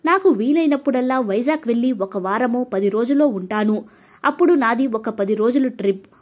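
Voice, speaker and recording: Woman, Telugu accent, audiobook narrator, gentle and even, slightly high voice. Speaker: storyteller.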